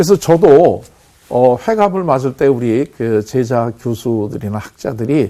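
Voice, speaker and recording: Lively in intonation, a man speaks with a dark, mellow tone at medium pitch. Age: 60s. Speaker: psychology professor. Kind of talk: lecture. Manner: hesitant with many fillers.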